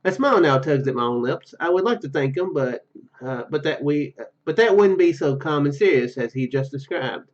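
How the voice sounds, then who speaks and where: A man's voice: on the high side, animated, normal speed. A man reading a game's narration aloud and adding casual commentary as a gaming video host, on a slightly lo-fi microphone.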